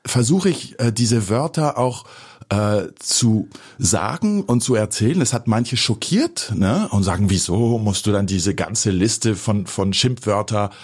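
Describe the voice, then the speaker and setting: A man's voice: fairly low pitch, animated, measured pace, slightly rough. A man, a filmmaker speaking reflectively with many hesitations in an interview. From Geneva, Switzerland. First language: French. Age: 40s. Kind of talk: personal interview.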